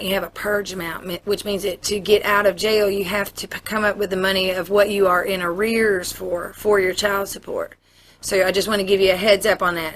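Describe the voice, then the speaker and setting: A woman's voice: mid-range voice, a bit bright. An American woman, a police officer, explaining procedure to a suspect in a matter-of-fact interview manner. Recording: noisy interview room audio.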